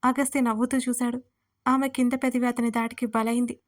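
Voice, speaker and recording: Woman narrating an audio story, even tone. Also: a little high, brisk.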